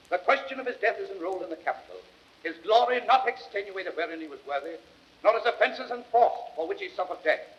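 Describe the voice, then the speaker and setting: An actor playing a proud, earnest Roman statesman, declaiming deliberately in classical Shakespearean radio-drama style. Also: sits high. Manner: declamatory, deliberate, rhetorical delivery. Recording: dull vintage record sound.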